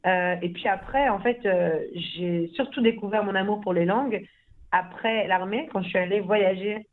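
A woman's voice: medium pitch, moderate pace. Guest, woman, chatty with many fillers, tinny phone-like sound. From Belgium. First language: French. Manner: chatty, many fillers and restarts, laughs easily. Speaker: language school founder. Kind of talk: casual interview talk.

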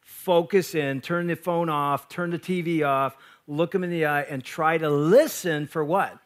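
A middle-aged pastor and marriage speaker telling stories to an audience, joking and acting out both sides of a quarrel. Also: male voice, fairly high pitch, a little slow. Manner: animated, jokey, acts out both sides of quarrels. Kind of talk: lively storytelling talk to an audience.

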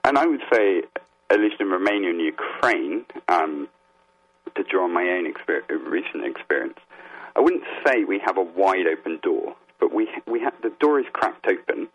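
A man speaking as an interview guest, explaining things in an earnest, reflective way and halting as he gathers his thoughts. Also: deep voice, very animated, slight background noise. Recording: dull, muffled phone-like line.

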